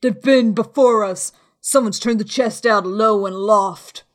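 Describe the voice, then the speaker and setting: A woman voicing a rough male pirate henchman who calls out loudly in an audiobook. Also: a little high, slow. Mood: alarmed, shouting. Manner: calling out loudly. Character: rough pirate henchmen, men calling out in alarm. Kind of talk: dramatic audiobook character voice.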